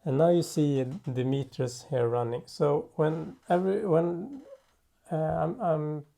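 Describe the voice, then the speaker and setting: A man talks through a software demo at a slow, unhurried pace. His voice is very dark and soft-edged, with a gravelly creak. He pauses and thinks aloud as he goes, like a presenter working live without a script. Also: fairly high pitch. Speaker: tutorial presenter. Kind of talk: unscripted software demo narration.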